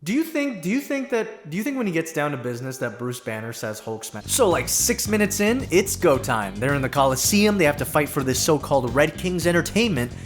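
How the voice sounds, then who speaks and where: A man's voice: a little high, big pitch swings, a little fast, few pauses, faint music behind. A man hosting a comedic, profanity-laced movie recap in a casual, jokey way. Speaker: host.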